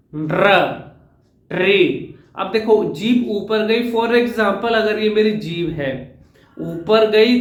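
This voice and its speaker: A man's voice: sits high, roomy sound. A man from India, speaking, coaching public speaking in a direct-to-camera lesson, explaining patiently, repeating his points and dropping in English phrases.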